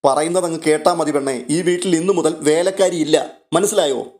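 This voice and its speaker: A man's voice: a little high, fairly quick, darkish tone, lightly acted. A man doing a curt, scolding stern woman. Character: stern bossy woman of the household.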